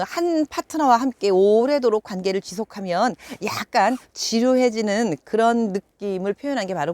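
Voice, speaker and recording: A woman's voice: mid-range voice, a little mellow, no echo. A middle-aged woman from Chungcheong, Korea, hosting her own channel and chatting casually to camera. She tells funny anecdotes with joking asides. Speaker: YouTube channel host. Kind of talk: casual storytelling talk to camera.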